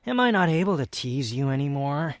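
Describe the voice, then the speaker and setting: A man's voice: on the high side, very animated, brisk, dry recording. A man playing a proud, sardonic young wanderer, a guarded yet tender lover, in an intimate romantic ASMR roleplay with a teasing, haughty, dramatic delivery. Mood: mocking, teasing.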